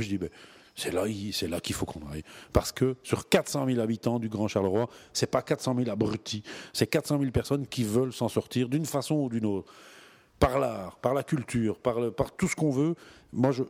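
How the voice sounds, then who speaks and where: Passionate gallery owner, mellow voice. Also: male voice, medium pitch, fairly quick, slightly rough. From Belgium. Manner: passionate, emphatic, repeats words while searching. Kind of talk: casual interview. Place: art gallery.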